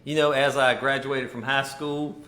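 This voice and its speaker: A man's voice: mid-range voice, level tone, measured pace, sharp tone. A man in his fifties from Virginia, a mayoral candidate being interviewed, talking in an easygoing, loose and rambling way. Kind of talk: casual interview conversation. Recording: roomy echoey sound.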